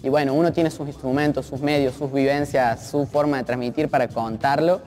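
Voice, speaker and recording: A man's voice: mid-range voice, steady tone, brisk, darkish tone. A man in his twenties with a Cordobese Argentine accent, chatting casually and reflectively, slangy and tentative as he searches for words. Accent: Cordobese Argentine Spanish. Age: 20s. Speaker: interview guest, freestyle rapper. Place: large art gallery, indoors.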